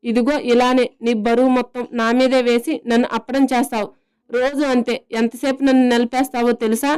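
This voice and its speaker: A woman voicing a tipsy, playful young wife who talks in a drawn-out, sing-song slur. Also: fairly high pitch, level tone, darkish tone, clean tone, natural voice. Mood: tipsy, pouting.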